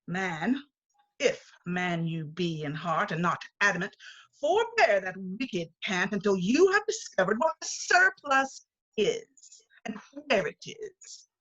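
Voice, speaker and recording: Lady doing a solemn scolding ghost from a christmas storybook, big swoops in pitch, kinda muffled lo-fi mic. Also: very animated, takes it slowly, a bit bright, heavily acted. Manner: solemn, archaic, admonishing. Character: stern, solemn Christmas spirit rebuking a miser. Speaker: amateur reader, library staff. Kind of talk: dramatic reading of a classic story.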